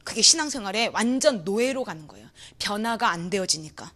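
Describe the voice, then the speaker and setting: A young adult woman preaching an energetic sermon in a church hall, acting out voices, shouting and laughing as she talks. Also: mid-range voice, brisk. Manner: animated, acts out quoted voices, shouts and laughs.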